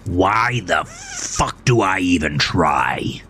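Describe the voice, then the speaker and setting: A man's voice: deep voice, very animated, takes it slowly, bright, forceful tone, heavily acted. A man voicing a gaunt, crude imaginary friend, exasperated and scornful, who needles and snarls in an audio drama. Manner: snarling, hissing, profane needling.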